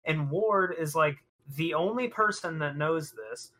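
A podcast co-host reviewing a horror film chats casually and swears freely. His voice is fairly high and a bit bright, at a measured pace.

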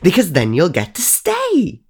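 Man putting on a ghost girl, raised pitch, bossy, coaxing, wicked, storybook. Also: wildly swooping pitch, measured pace, heavily acted. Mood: cooing.

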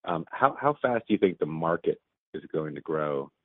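A man's voice: very deep voice, animated, moderate pace, dry recording. A man asking questions as a financial analyst on an earnings call, in a conversational, roundabout way. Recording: dry, narrow telephone line.

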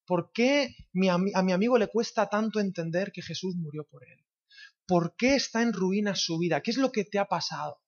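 A pastor with a high-pitched voice preaches a sermon in church at a moderate pace, firing rhetorical questions at the congregation. The recording sounds dull and slightly lo-fi.

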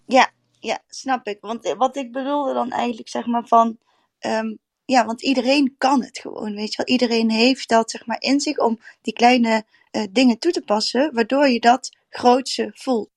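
Woman participant, somewhat high voice, hesitant delivery, dry sound. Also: fairly even intonation, normal speed, gravelly, no room sound. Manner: hesitant, many fillers. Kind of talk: casual talk.

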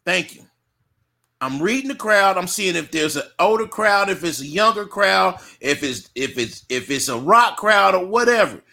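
A man's voice: high voice, moderate pace, creaky. A man in his fifties who works as a DJ, chatting casually and animatedly with plenty of profanity and repetition. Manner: animated, profane, repeats himself. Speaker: DJ and co-host. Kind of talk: casual chat.

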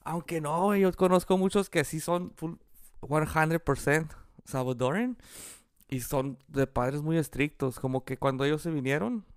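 A man's voice: fairly high pitch, moderate pace, smooth, no room sound, studio quality. A man from Los Angeles with a Mexican-American accent in Spanish, chatting casually with plenty of slang, swearing and bits of English. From Los Angeles, United States. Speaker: podcast co-host. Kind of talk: casual bantering chat.

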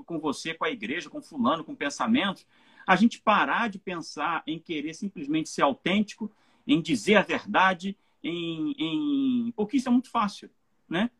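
Brazilian pastor guy, kinda husky, a bit high voice, earnest church live talk. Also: fairly bright tone. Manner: earnest, keeps checking in with "né?" and "entende?".

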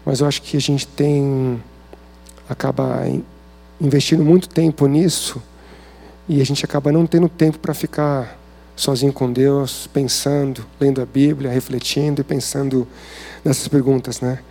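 A man's voice: mid-range voice, fairly even intonation, normal speed, creaky, mellow. A man with a Brazilian Portuguese accent giving an informal sermon at a men's service, talking conversationally and asking many rhetorical questions.

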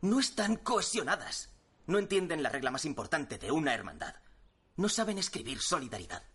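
Bright-voiced, animated Castilian schemer guy. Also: on the high side, fairly quick, husky, full character voice. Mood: earnest, scheming. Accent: Castilian Spanish. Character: cocky, excitable young man scheming as group's ringleader. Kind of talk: comedy film dubbing.

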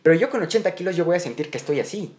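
A man's voice: a little high, animated, racing, darkish tone. A man with a Mexico City accent hosting a podcast, rambling and joking, often losing his train of thought. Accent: Mexico City Spanish. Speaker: podcast host. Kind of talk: casual chat.

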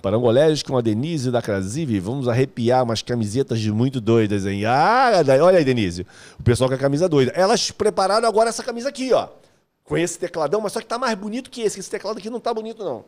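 A man from Rio de Janeiro, hosting a live music course stream, chatting casually with viewers in an energetic, slangy, joking way. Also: mid-range voice, fast. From Rio de Janeiro, Brazil.

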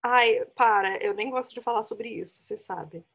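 A woman's voice: fairly high pitch, normal speed, creaky, dull audio. A woman from Brazil, co-hosting a casual chat podcast, chatty and laughing often. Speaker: podcast co-host.

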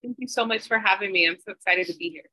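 A woman who is a guest on a podcast, speaking warmly and eagerly in a casual interview. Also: mid-range voice, rapid-fire, low-quality recording. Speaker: podcast guest, dietitian and nurse.

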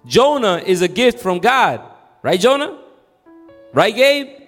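A middle-aged man preaching, telling a homey family story and stretching key words slowly for emphasis. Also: high-pitched, big pitch swings, a bit bright, big-room sound, faint music behind. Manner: folksy, slow emphatic delivery. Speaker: pastor. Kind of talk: bilingual storytelling sermon. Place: church.

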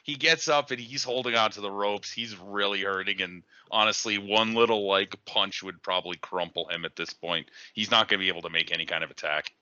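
A man's voice: lowish voice, fairly even intonation, fairly quick, few pauses, bright, forceful tone, dry recording. A man narrating as game master of a wrestling role-play game on a podcast, laughing often. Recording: dry, dull lo-fi podcast audio.

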